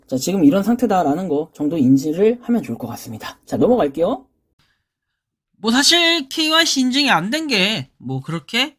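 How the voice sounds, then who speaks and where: A crypto channel host with a hoarse throat, this woman casually talks through what's on her screen, often opening sentences with a prompting word. Her voice is medium in pitch, with a bright, forceful tone.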